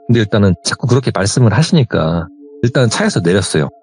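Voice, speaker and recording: A man's voice: big pitch swings, fast, darkish tone, soft background music. A man casually telling a true scary story from his own life, acting out the quoted lines of the people in it. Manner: acts out quoted dialogue, shifting pitch.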